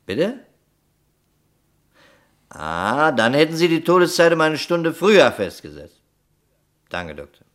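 An actor playing a wry, probing police detective in a German radio crime play, questioning sceptically. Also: male voice, on the high side, sing-song, slow pace, pauses often, fairly bright tone, full character voice. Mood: businesslike.

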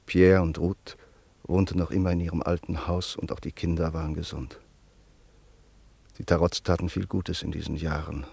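An actor playing a sombre narrator in a radio drama, grave and deliberate as he recalls a friend's fate. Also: deep voice, vocal fry, a little mellow, breathy edge, no room sound, heavily acted.

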